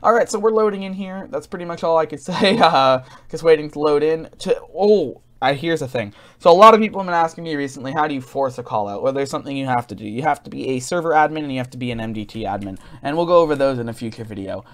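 A man giving a casual software tutorial as host, recorded as a voice-over at his computer. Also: a little high, fast, hardly any pauses.

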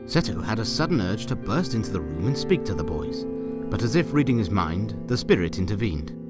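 A man's voice: lowish voice, big pitch swings, a little fast, loud music behind the voice. A man narrating a scripted story in a theatrical, wry manner with ornate phrasing.

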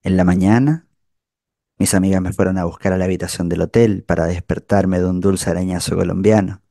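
A man acting a world-weary, hard-drinking gay writer telling stories intimately in a radio play, with a gravelly voice. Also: deep voice, steady tone, fairly quick, dark tone, dry recording, studio quality. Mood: wistful, confiding. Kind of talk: radio theatre storytelling.

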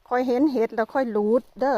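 A woman's voice: a little high, fairly even intonation, quick pace, dark tone, no echo. A woman with an Isan Thai accent chatting casually as she vlogs outdoors in a forest, exclaiming often. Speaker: vlogger. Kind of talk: casual vlog narration.

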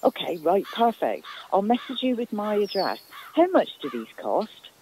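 A woman's voice: medium pitch, sing-song, normal speed, a little mellow, lightly acted. A woman playing an effusive, distracted British mum on the phone in a radio drama. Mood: distracted, grateful. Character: harried, cheery young mum at home. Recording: noisy outdoor phone call.

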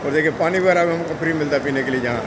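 A man's voice: a little high, very fast. A man with a Punjabi accent, vlogging on a phone as he walks through a busy exhibition hall and chats with people. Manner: chatty, greets people warmly in passing. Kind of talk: walk-around expo vlog chat. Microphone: handheld phone camera. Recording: loud background noise.

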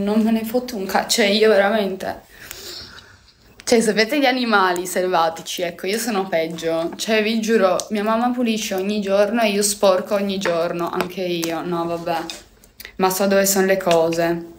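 Over some background noise, a young woman with a fairly low voice hosts a casual phone livestream from inside her home, laughing and cursing often as she talks with viewers.

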